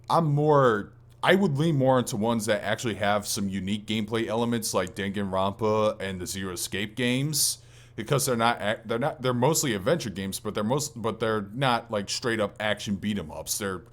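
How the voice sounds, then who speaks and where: A male podcast host with a fairly low voice talks casually about games. He rambles hesitantly, backing up and rephrasing his thoughts as he goes. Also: normal speed. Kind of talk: casual gaming podcast chat.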